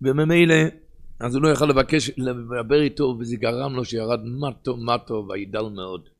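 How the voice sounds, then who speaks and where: A man with an Ashkenazi Hebrew pronunciation giving a sermon in a sing-song study cadence that swings between loud and hushed. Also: medium pitch.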